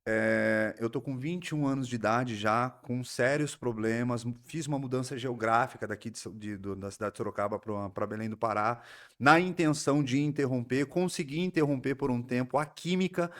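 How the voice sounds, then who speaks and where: Um homem, convidado de um podcast, conta com seriedade e reflexão sua história de recuperação, com sotaque do interior paulista e muitas pausas e recomeços. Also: male voice, medium pitch, a bit bright. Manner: earnest, reflective storytelling with frequent restarts. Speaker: psychoanalyst guest. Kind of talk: personal recovery story in a podcast interview.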